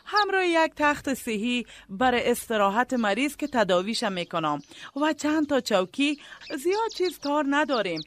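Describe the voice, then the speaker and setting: A determined, hospitable village nurse with an Afghan accent and a high voice. She speaks earnestly and politely in radio drama style, with faint noise behind her. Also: big pitch swings.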